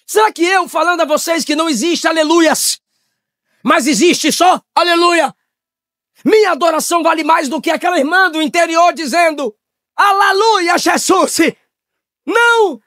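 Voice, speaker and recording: A man from Brazil preaching a Pentecostal sermon, shouting in high bursts and then dropping to low, quiet tones. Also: no room sound, studio quality.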